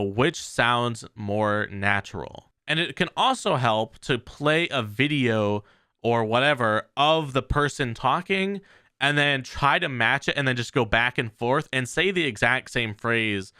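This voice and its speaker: A man's voice: medium pitch, sharp tone, smooth, no echo, clean studio sound. A man hosting a tech channel, giving a casual tutorial in a loose way full of fillers. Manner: loose, filler-heavy explaining.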